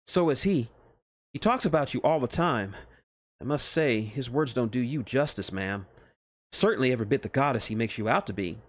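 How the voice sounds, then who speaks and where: A man's voice: medium pitch, expressive, normal speed, no room sound, studio quality, natural voice. A man voicing a polite, nerdy and eager male scientist in a fan fiction reading. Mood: admiring.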